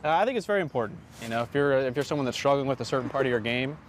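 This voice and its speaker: Male golf instructor, quick delivery, mid-pitched voice, explaining casually outdoors with faint background noise. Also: lively intonation. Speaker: golf pro giving tips.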